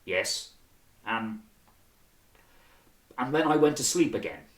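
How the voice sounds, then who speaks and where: A man playing a nervous, stiff marine corporal in an audiobook, halting and deferential. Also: medium pitch, animated, echoey room, pitched above the performer's own voice.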